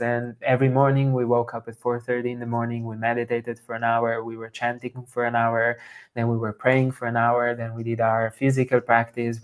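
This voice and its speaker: Guest, male, 30s, from Slovenia; earnest and steady, with little pitch movement. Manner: steady, earnest, even-toned. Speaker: guest, somatic coach. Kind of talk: storytelling in an interview.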